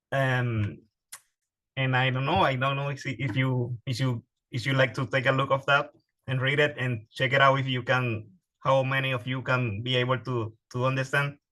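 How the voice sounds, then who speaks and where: A man with a Spanish accent speaks at a moderate pace and medium pitch, with a bright, sharp tone and monotone, flat intonation. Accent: Spanish accent, noticeable. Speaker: psychologist. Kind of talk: training talk. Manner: halting, many repetitions.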